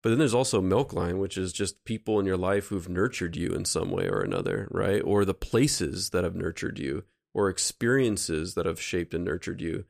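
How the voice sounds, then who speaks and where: A man hosting a reflective conversation, calmly laying out an idea and checking in with "right?" as he goes. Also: sits low, moderate pace, vocal fry, few pauses. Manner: calm, explanatory, often checks in with "right?". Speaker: host.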